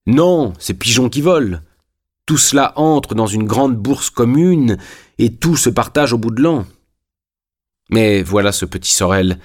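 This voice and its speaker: A man's voice: medium pitch, lively intonation, a little slow. A man voicing a cynical townsman gossiping about corruption. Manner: cynical, conspiratorial.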